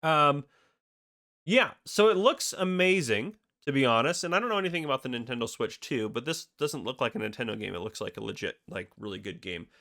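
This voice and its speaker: Male gaming host, raspy with a cold, gravelly and bright, rambling casual commentary. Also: mid-range voice, expressive, brisk. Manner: rambling, filler-heavy, thinking aloud. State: fighting a cold. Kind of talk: casual commentary over screenshots.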